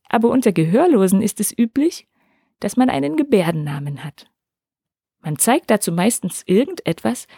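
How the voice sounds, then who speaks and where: A woman reads a story aloud in a gentle, expressive way. Her voice is mellow and a little breathy. The sound is dry and close. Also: medium pitch, dry recording. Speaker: narrator. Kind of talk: scripted storytelling for children.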